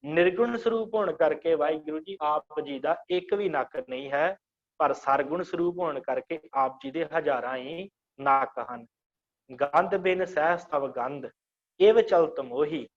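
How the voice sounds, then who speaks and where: A man with a slightly high voice leads a scripture lesson. He chants each verse line slowly, then patiently breaks it down word by word. The audio is dull and lo-fi, like an online class. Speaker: scripture teacher.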